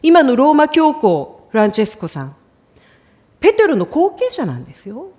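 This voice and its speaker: A middle-aged woman preaching a sermon in an expressive storytelling way, often acting out the lines she quotes. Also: high-pitched, moderate pace.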